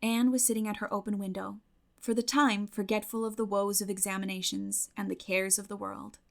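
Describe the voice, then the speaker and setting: A woman audiobook narrator reading literary fiction expressively, with measured storytelling phrasing. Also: medium pitch, level tone, creaky.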